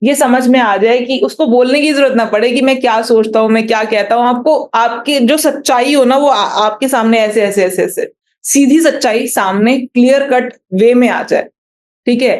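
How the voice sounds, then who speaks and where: A woman talks in a high pitch with ordinary pitch variation. She goes at a fairly slow pace. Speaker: astrology teacher. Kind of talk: online class lecture. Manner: hesitant fillers.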